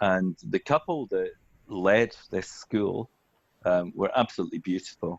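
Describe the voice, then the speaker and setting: With a Scottish accent, a man speaks at a fairly slow pace and a fairly low pitch. The sound is dry and close with no echo, over a quiet background. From Scotland. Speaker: tantric yoga teacher and massage practitioner. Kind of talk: interview.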